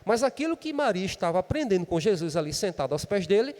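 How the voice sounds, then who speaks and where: Fast-talking and high-pitched, this man swings widely in pitch, his tone a little mellow as it fills a large church hall. Speaking with a Brazilian Portuguese accent, he preaches conversationally and frequently adds a questioning "né?".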